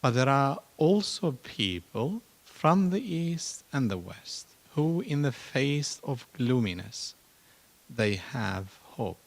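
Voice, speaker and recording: A man who is a church archbishop, giving measured, deliberate remarks at a symposium panel. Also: mid-range voice, sing-song. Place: university symposium hall.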